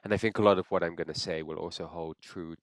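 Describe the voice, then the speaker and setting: A man with a cold, sounding congested, talking through a software install step by step and thinking aloud as he clicks. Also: low-pitched, steady tone, fast talker, no echo, studio quality. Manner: thinks aloud with frequent restarts. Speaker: software tutorial presenter. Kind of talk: screen-recorded how-to walkthrough.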